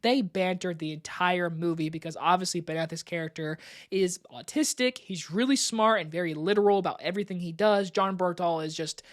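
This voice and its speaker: A woman's voice: lowish voice, a little fast. A woman giving a casual movie review in a stuffy, congested voice from allergies, rambling and chatty. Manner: rambling and chatty, with many "like" fillers.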